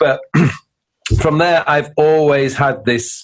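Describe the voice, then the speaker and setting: A man with a Yorkshire accent at a fairly slow pace. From northern England, Leeds. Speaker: productivity coach and author. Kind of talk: interview.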